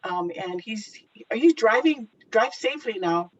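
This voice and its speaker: A woman's voice: on the high side, lively intonation, a little slow. A woman leads a video call, upbeat and explanatory as she sums up points. Her audio is dull and lo-fi, a little muffled. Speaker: meeting chair. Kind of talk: leading a video meeting.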